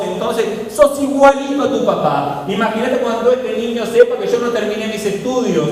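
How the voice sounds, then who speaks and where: A man preaching, his voice pitched high for a man. He talks animatedly and slips into the voices of the people he describes. He sounds distant from the mic, inside a big hall with a long, booming echo. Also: a little hiss or hum. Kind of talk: sermon. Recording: echoey hall, voice from far off.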